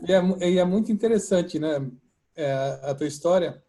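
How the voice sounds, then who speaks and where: A man's voice: high-pitched, moderate pace, dark tone. A man, a church member, chatting in a jokey way and tagging his lines with questions.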